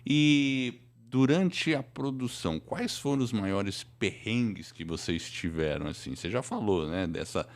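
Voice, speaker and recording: A man's voice: on the low side, expressive, measured pace, hardly any pauses. A man with a Brazilian accent hosting a podcast, asking questions and chipping in casually. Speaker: podcast host, interviewer. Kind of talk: casual interview chat.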